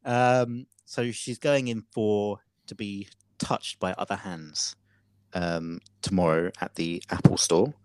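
A man co-hosting a podcast, telling a story theatrically with many pauses and fillers. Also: fairly low pitch, steady tone, darkish tone, no echo. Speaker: podcast co-host. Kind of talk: casual chat.

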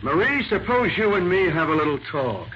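An actor playing a gruff, impatient, suspicious homicide sergeant with a curt, grumbling manner in a 1940s radio crime drama. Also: male voice, sits high, big pitch swings, normal speed, background noise. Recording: dull lo-fi 1940s radio recording.

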